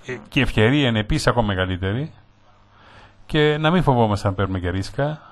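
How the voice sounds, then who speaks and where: A man's voice: mid-range voice, lively intonation. A man hosting a studio radio discussion in a Greek community abroad, affirming guests and wrapping up with thanks. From Greek community in Australia. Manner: affirming, wraps up warmly with thanks. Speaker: radio show host.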